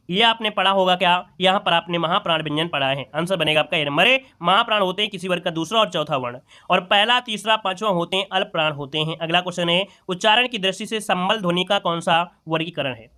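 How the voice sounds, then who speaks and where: A man's voice: high voice, quick pace, hardly any pauses, bright, forceful tone. A man teaching an exam-prep lesson, going through questions and repeating each question and answer with rhetorical checks to the listeners. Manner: addresses listeners as friends.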